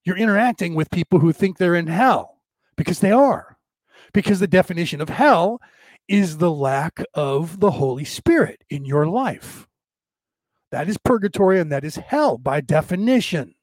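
A middle-aged man with a rough, odd-sounding voice, hosting a rambling, casual spiritual talk for a live audience. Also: sits high, expressive, moderate pace, darkish tone, no room sound. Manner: rambling, many restarts and fillers. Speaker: livestream host.

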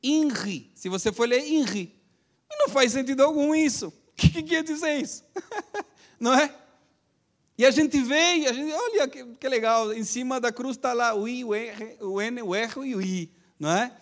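A man with a high-pitched voice preaches a sermon as a pastor. He teaches step by step, keeps checking in with his listeners through quick tag questions, and leads them in repeating after him.

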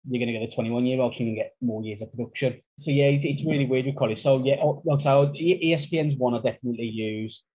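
A man's voice: mid-range voice, mellow, slightly rough, low-quality recording. A man with a Black Country accent talking casually and wordily as a co-host on a sports podcast. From Black Country, England.

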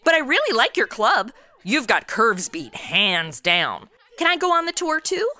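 A woman's voice: fairly high pitch, a little slow, heavily acted. A woman playing a flippant, slangy modern young woman in her twenties in a comedy audio drama. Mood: indignant, flustered. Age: 20s. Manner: flippant, expressive. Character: sassy, slangy modern twenty-something woman turned detective.

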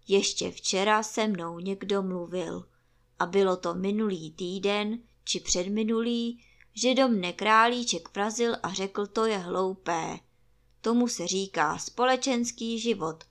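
A woman voicing a gloomy, grumbling old male donkey who speaks slowly and mournfully. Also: medium pitch, vocal fry, fairly bright tone. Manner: mournful, slow and self-pitying.

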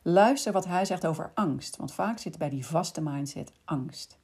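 Low, husky-voiced woman explaining calmly. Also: measured pace. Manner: calm explaining, addresses listener directly. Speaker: podcast host. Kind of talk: scripted educational narration.

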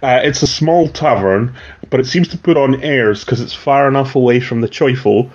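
A man narrating as game master, relaxed and self-deprecating, on a dull lo-fi recording. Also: mid-range voice, moderate pace, a little hiss or hum. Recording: dull lo-fi sound.

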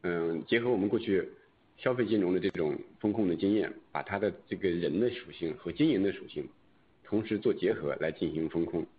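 A man with a very deep voice answers as a company executive on a conference call. His phrasing is deliberate and halting. The line is narrow and phone-like. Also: a little hiss or hum.

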